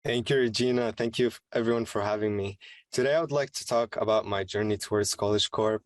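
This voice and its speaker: A young man from Syria speaks as a student fellow, delivering prepared remarks at a steady, measured pace. His voice sits fairly low and the sound is dry, with no room echo. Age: young adult.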